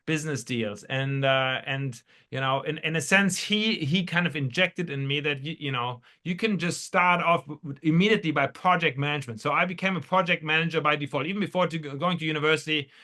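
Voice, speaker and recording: Telling anecdotes casually on a podcast, this entrepreneur from Germany has a higher-pitched, bright male voice. His speech is halting and rambling, with repeated words.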